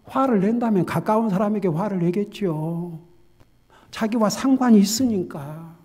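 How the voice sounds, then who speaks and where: Husky pastor preaching with hushed intensity. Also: male voice, sits high, moderate pace. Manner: swings from hushed near-whisper to loud exhortation; asks the congregation questions directly. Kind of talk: sermon. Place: church.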